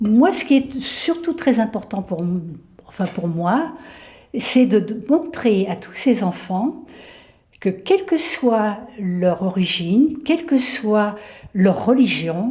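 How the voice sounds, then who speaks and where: A woman speaks very slowly, with long, frequent pauses and a somewhat breathy voice. Her fairly high pitch moves in very wide swings. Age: 80s+. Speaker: nativity scene collector. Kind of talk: interview. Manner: hesitant, many fillers.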